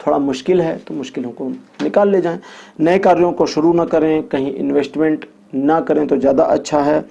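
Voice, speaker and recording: A man's voice: a little high, steady tone, fairly quick, creaky, dark tone, dull audio. A man giving a weekly tarot horoscope reading, explaining each point with repetition and homely examples. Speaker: tarot reader.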